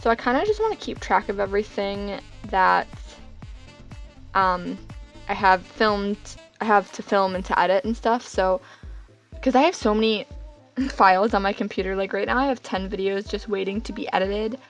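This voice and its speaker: A young woman talks casually over a faint music bed, her voice gravelly and hoarse as she gets over a cold. She rambles, leans on fillers like "like" and "um", and pokes fun at herself. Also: mid-range voice, moderate pace. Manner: rambling, filler-heavy and self-deprecating. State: hoarse, getting over being sick. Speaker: bullet journal vlogger.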